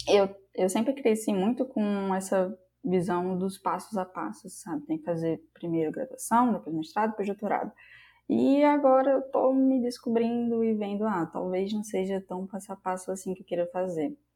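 On a very clean recording with a silent background, a woman speaks at a medium pitch in a dark, mellow tone with lively intonation. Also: moderate pace. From Maceió, Alagoas, Brazil. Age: 20s. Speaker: PhD student in computer science. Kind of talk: interview.

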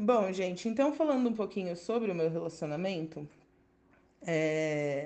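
A woman speaks in a normal speaking voice, fairly low in pitch, at a fairly slow pace with lively intonation. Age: 20s. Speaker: survivor of abusive relationship. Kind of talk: testimony. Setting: recorded voice messages.

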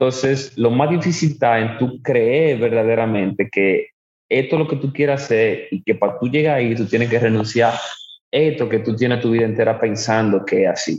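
A man with a plain, everyday voice, medium pitch, moderate pace and ordinary pitch variation. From Dominican Republic, La Romana. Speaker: physician and gym owner. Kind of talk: casual interview.

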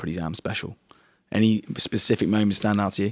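On a very clean recording with a silent background, a man with a London accent talks at a fairly low pitch. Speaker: podcast host. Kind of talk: podcast intro.

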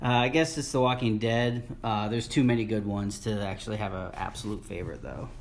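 A man with a medium pitch speaks at a very fast pace with hardly any pauses and ordinary pitch variation, over noticeable background noise. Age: 30s. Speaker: stay at home dad, veteran. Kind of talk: casual interview. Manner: halting, repeats words.

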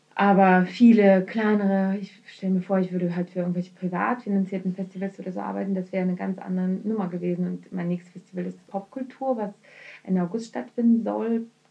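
Talking at a very fast pace, a woman keeps fairly even intonation at a medium pitch. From former Soviet Union. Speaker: podcast co-host. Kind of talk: casual chat. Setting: studio, hosts sitting apart.

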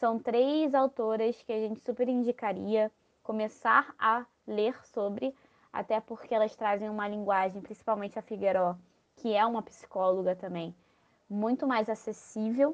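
Against a quiet background, a woman speaks in a plain, everyday voice with a fairly high pitch. Her pace is fairly slow and her pitch varies in an ordinary way. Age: 20s. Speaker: biology graduate, sex education project member. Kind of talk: interview. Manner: formal.

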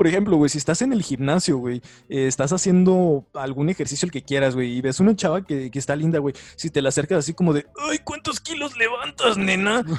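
With a Mexican accent, the speaker moves at a fairly quick pace and uses lively intonation. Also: man, fairly high pitch for a man. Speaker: podcast co-host. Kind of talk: casual chat.

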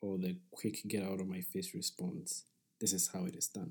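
A man with a Ghanaian accent talks at a moderate pace and a fairly low pitch. His tone is dark and mellow, his intonation lively. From Ghana, Kumasi. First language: Twi. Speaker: podcast host. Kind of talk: scripted narration. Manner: hesitant, with fillers.

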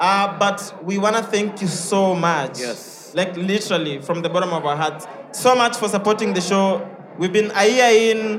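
Moderate-paced speech with ordinary pitch variation over noticeable background noise. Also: man, high pitch for a man. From Kenya. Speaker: podcast host. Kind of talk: live podcast chat. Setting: stage with audience. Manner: animated.

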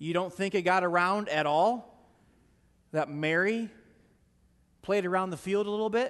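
A man with a high pitch speaks at a moderate pace, with ordinary pitch variation, very even loudness and long, frequent pauses. The background is quiet. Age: young. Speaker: pastor. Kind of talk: sermon. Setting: church.

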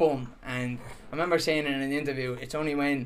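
The intonation is monotone and flat. Audible room echo surrounds the voice. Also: man. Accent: Waterford Irish. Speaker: professional boxer. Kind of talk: casual chat.

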